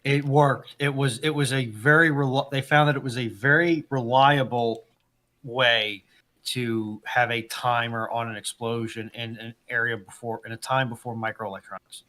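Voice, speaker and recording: A man's voice: mid-range voice, fairly even intonation, normal speed, pushed and bright. A man moderating a casual live discussion, speaking hesitantly and often restarting his sentences. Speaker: live stream moderator and panelist.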